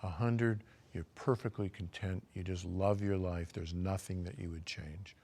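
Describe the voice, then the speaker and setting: Older male doctor, deep voice, calm and measured, walks the listener through questions in a lecture. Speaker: physician giving a lecture. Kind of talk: recorded health lecture.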